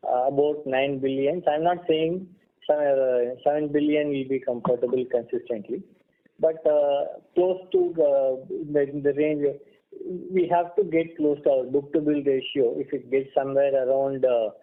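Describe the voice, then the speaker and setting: A man with an Indian accent answering analysts as a company executive on an earnings call, explaining in a halting way. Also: fairly high pitch. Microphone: telephone conference line. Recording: muffled phone-line conference call audio.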